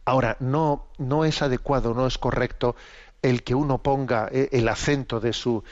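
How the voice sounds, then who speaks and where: A man hosting a religious commentary program, explaining in a measured, teacherly way with rhetorical questions and frequent tag questions. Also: mid-range voice, fairly even intonation, lo-fi sound.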